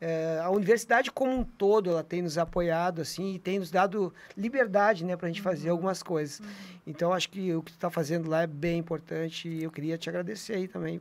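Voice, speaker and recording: A man talks at a very fast pace with big swings in loudness. His pitch is high, with ordinary pitch variation. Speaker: podcast host and professor; podcast guest. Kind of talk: casual interview. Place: studio. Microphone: studio mic.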